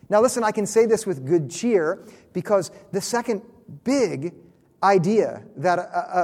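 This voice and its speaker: A man preaching a sermon, earnest and emphatic, slowing down to stress key phrases. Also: high-pitched, a little mellow. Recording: long reverb of a large hall.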